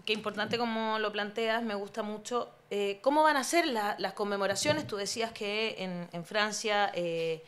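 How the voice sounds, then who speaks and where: A woman's voice: mid-range voice, normal speed, hardly any pauses, fairly bright tone. A woman hosting a studio interview, steering with short affirmations and questions into a studio mic. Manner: brief affirming prompts and questions. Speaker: interview host. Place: small TV-radio studio. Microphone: studio mic, headphones on.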